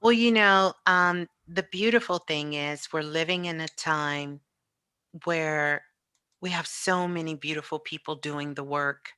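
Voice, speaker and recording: A woman's voice: deep voice, a little slow, pushed and bright, clean tone, no echo, studio quality. A woman speaking reflectively and conversationally as an interview guest and spiritual teacher, often checking in with the listener. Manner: frequently checks in with "you know".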